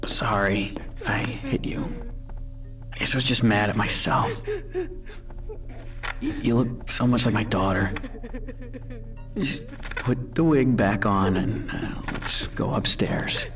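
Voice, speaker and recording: An actor playing a troubled, guilty man in a video game, speaking in a hushed, halting way. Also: on the low side, big pitch swings, recorded from a distance, music in the background. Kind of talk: video game dramatic acting.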